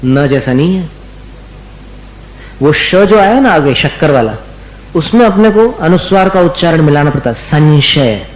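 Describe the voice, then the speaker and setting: Here a man speaks at a fairly high pitch, expressively, in a rough, reverberant recording. He is a religious teacher giving a recitation lesson, patiently elongating and repeating words so students can copy them.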